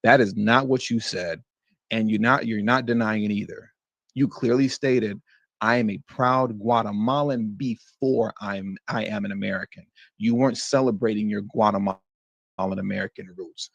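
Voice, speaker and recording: A man's voice: lowish voice, fairly even intonation, moderate pace, gravelly, no room sound, muffled recording. A man hosting a political commentary show, reading out news quotes and answering them with scorn and mocking emphasis.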